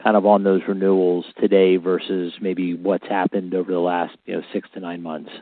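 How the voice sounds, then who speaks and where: A male analyst phoning from a dead-quiet, dry-sounding spot into an investor call, tentatively putting his questions. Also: deep voice, level tone, moderate pace, dry recording. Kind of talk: unscripted earnings-call questioning. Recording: dry, tinny phone line.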